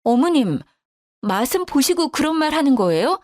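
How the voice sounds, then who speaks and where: A woman's voice: mid-range voice, sing-song, normal speed, no echo, studio quality, natural voice. A woman voicing a polite, dutiful young daughter-in-law who talks deferentially and protests sharply when provoked. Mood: indignant.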